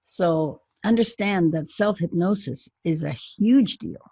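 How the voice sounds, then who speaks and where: A woman's voice: lowish voice, slow, warm tone, breathy edge, no echo. A woman hypnotherapist, a guest on a podcast, speaking matter-of-factly about her clients. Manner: matter-of-fact, tells client stories. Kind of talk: casual podcast interview.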